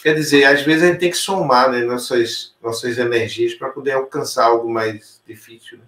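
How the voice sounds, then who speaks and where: A man interviewing a guest, answering calmly with affirming spiritual reflections. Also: medium pitch, normal speed. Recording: echoey room.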